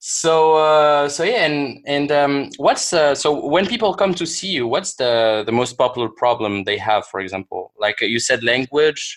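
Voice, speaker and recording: Speaking at a moderate pace with hardly any pauses, a man with a French accent uses a fairly high pitch. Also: lively intonation. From France. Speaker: podcast host, dating coach. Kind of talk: interview conversation.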